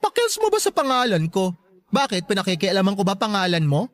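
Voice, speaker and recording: A woman playing a sassy, sharp-tongued gay best friend in a Filipino radio drama, catty and taunting with a Filipino accent. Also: medium pitch, huge pitch swings, a little fast.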